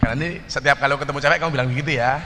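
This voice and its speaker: A man's voice: medium pitch, fairly even intonation, racing, in a large hall, noisy background. A man giving a humorous religious talk, teasing audience members and slipping into Javanese. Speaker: preacher.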